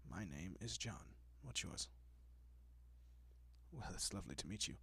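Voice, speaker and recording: A man playing a gentle, courteous, possessive vampire in an intimate audio roleplay, speaking softly and often dropping to a whisper with hushed reassurance. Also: low voice, lively intonation, measured pace, creaky, husky, exaggerated voice. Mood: gentle, reassuring. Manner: hushed, reassuring, politely old-fashioned.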